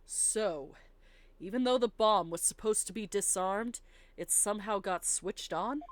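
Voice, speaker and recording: A woman's voice: mid-range voice, no echo, natural voice. Woman playing a formal, stern courtroom judge. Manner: formal, measured, authoritative. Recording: game music behind the voice.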